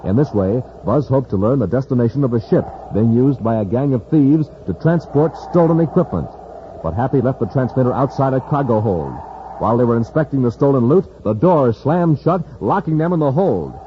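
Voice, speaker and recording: Man announcing on old-time radio, animated voice that jumps around, dull sound with faint hiss. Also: brisk. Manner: lively, pitching to children.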